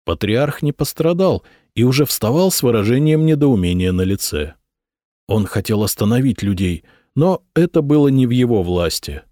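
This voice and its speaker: A man narrating an audiobook expressively, rising in pitch on dramatic moments. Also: big pitch swings, normal speed, warm tone, no room sound, clean studio sound.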